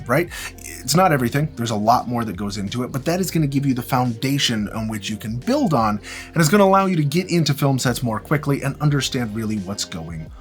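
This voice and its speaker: A man presenting an instructional video, explaining things emphatically and restating key points in a structured way. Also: mid-range voice. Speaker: video host, tutorial presenter. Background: background music.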